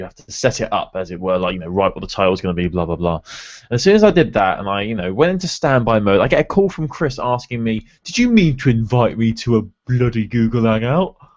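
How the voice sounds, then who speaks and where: Here a man with a British accent lets his pitch swing very widely. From UK. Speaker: gaming podcast host. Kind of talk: casual chat. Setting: video call.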